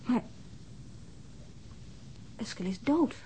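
An actress playing a guarded, halting, middle-aged widow in a naturalistic radio drama. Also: female voice, on the high side, animated, warm tone, husky, exaggerated voice. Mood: grieving, indignant. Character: guarded, widowed older housewife who minds children.

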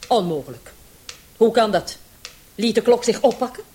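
An actress in a Dutch radio play voicing a brisk, commanding female police commissioner with a dry, authoritative manner. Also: a little high, lively intonation, dark tone, natural voice. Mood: stern, suspicious.

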